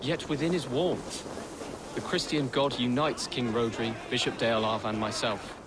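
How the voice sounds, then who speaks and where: A man playing an earnest, courteous young Christian noble in a video game, polite and measured, a little unsure of himself. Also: mid-range voice, fairly even intonation, background noise, natural voice. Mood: hopeful. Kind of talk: video game character acting.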